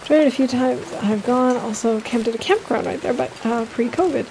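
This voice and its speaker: A woman streams a survival game and chats easily with her viewers, laughing often as she answers them by name. Her voice sits a little high. A faint noise runs underneath. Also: fairly quick, darkish tone, poor audio. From United States. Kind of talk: casual gameplay chat with chat readers.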